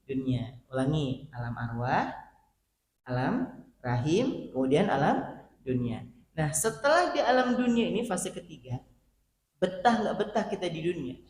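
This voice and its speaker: A male preacher giving an animated sermon to a women's study group, acting out quoted voices as he talks to them directly. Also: high voice. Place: mosque hall. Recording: roomy mosque hall, faint background hum.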